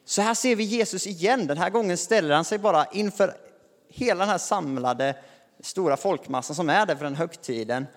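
A man preaching a sermon, earnest and lively, raising his voice as he calls out scripture. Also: fairly high pitch. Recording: long hall reverb.

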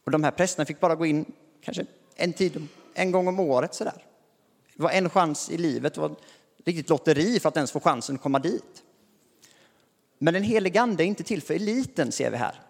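A man preaching a sermon, earnest and lively, raising his voice as he calls out scripture. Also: on the high side, creaky. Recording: long hall reverb.

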